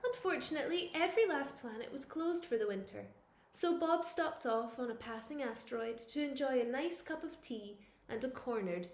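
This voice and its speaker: A woman reads a children's picture book aloud like a teacher at storytime, expressive and playful. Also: high-pitched, normal speed, echoey room. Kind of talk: animated children's storytime reading.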